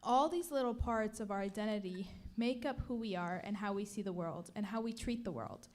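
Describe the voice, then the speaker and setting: A native Arabic speaker from Palestine, this woman gives an earnest, measured talk on a community panel, using frequent fillers. Her voice is medium-pitched and a little mellow.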